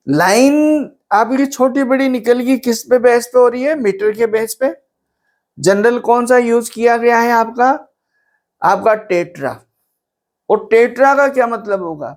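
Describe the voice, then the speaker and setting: Slow, deliberate teacher. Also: mid-range voice. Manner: slow, repeats questions back to students and answers them. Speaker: English literature teacher. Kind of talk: exam-prep classroom lecture.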